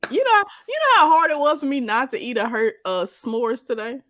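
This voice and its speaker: A woman's voice: high-pitched, very animated, a little fast, fairly bright tone. A woman in her twenties with a Mississippi accent, co-hosting a podcast in casual, joking banter with her brother. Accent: Southern US, Mississippi. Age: 20s. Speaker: podcast co-host. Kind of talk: casual chat.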